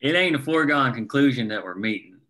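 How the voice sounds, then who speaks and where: A man's voice: medium pitch, animated, quick pace, pushed and bright. A man reading the part of a blunt, plain-spoken union coal miner in a drama table read. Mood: matter-of-fact.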